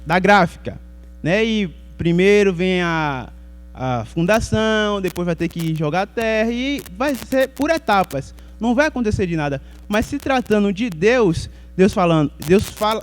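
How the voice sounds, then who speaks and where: High-voiced preacher. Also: male voice, darkish tone, low-quality recording. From Salvador, Brazil. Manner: conversational preaching, asking the audience questions. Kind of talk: sermon.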